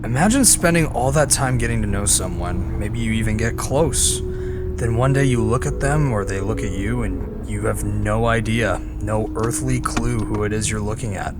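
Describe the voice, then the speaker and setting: A man's voice: fairly low pitch, normal speed, loud music behind the voice, close to an everyday voice. An actor playing a thoughtful, brooding man investigating mysteries in an audio drama, pensive and grave. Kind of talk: naturalistic audio drama dialogue.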